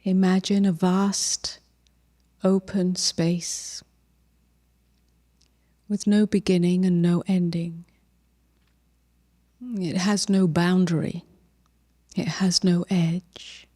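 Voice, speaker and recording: Woman meditation teacher, really slow n gentle, mellow soft voice, lots of pauses, kinda breathy endings. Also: on the low side, little pitch movement. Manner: gentle, unhurried, with long pauses. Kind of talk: guided meditation.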